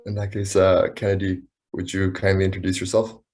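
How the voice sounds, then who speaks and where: Guy with a really low voice running a video call, polite and formal, asks people to go next. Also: completely flat delivery, brisk, a little mellow. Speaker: webinar moderator. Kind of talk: calling on speakers in an online meeting.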